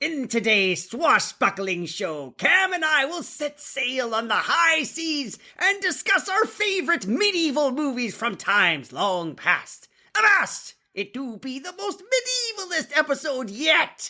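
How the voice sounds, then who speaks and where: Putting on a character voice, a woman talks at a fairly slow pace with hardly any pauses, her high pitch making very wide swings. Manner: over-the-top, theatrical.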